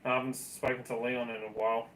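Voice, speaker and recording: A man's voice: medium pitch, little pitch movement, fast talker, fairly bright tone, a little hiss or hum, poor audio. A man in his thirties with an Australian accent, chatting casually as host of a live stream from a small bedroom. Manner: chatty, laid-back, swears casually. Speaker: livestream host.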